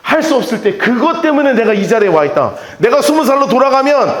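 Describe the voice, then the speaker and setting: A man's voice: very high voice, animated, brisk, roomy sound. A male pastor preaching a sermon, emphatic, with rhetorical questions to the congregation. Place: church sanctuary.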